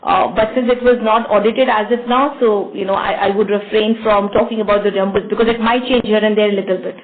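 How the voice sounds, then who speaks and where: A woman's voice: medium pitch, steady tone, brisk. A woman with an Indian accent answering questions as a company executive on an earnings call, explaining carefully and repeating words. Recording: tinny phone-line conference call.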